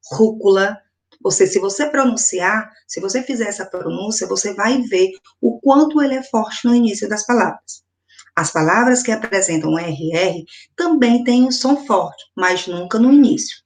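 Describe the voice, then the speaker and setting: A woman with a Brazilian accent teaching a first-grade video lesson, speaking slowly and emphatically and repeating each example word. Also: mid-range voice. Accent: Brazilian Portuguese. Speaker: primary school teacher.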